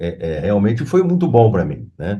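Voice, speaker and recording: Quiet background behind a man's fairly low, somewhat breathy voice with a dark, mellow tone. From interior of São Paulo state, Brazil. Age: 60s. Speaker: labour lawyer and law professor. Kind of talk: interview. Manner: halting, with many repetitions.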